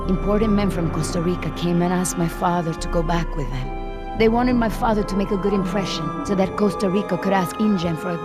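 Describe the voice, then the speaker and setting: A woman playing a proud, guarded island-born tribal woman in a video game, earnest and deliberate, with a Latin American Spanish accent. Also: medium pitch, close to an everyday voice. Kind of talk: dramatic video game cutscene acting. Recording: loud music under the voice.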